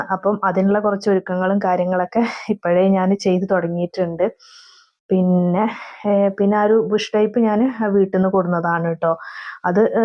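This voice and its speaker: A mother narrating her day at home in a chatty voice-over, ending sentences with soft tag words and pausing on fillers. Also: medium pitch. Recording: slightly dull lo-fi voice-over.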